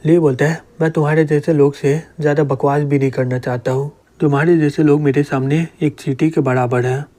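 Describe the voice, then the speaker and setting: A man narrates a comic story, voicing every character in the same even storytelling voice. His pitch sits a little high for a man. His tone is mellow and dark rather than bright. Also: fairly quick, hardly any pauses. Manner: reads all characters' lines in the same plain narrating voice.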